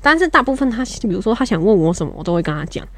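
A woman's voice: medium pitch, sing-song, rapid-fire. A young woman with a Taiwanese Mandarin accent who co-hosts a podcast, telling family stories in a blunt, fiery way and laughing as she talks. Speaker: podcast co-host, younger sister. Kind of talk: casual storytelling chat.

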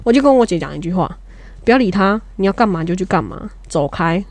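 A young Taiwanese woman talks quickly in casual podcast chat. Her manner is blunt and fiery, and she often laughs through her stories. The sound is close and dry, with no room echo. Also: on the low side, expressive, darkish tone. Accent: Taiwanese Mandarin. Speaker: podcast co-host, younger sister.

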